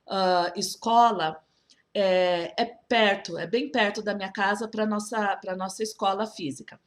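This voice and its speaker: A woman teaching English, explaining to viewers in a chatty way, often restarting and asking them questions. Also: mid-range voice. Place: school's own video channel.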